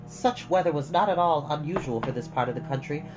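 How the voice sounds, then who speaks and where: A storytime host with a medium-pitched voice, chatting casually and informally with rambling asides and reading from a storybook. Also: brisk, darkish tone. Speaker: host of a storytime livestream, reading a novel aloud. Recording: dull lo-fi audio with background music. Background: ambient background music.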